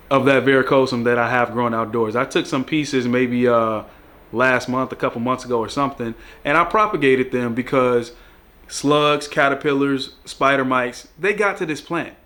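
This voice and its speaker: A man's voice: mid-range voice, unhurried, fairly bright tone. A young man with a congested voice, recovering from a cold, chatting casually to his regular viewers in a laid-back, joking way. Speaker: plant vlogger. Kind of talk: casual video chat about plant care.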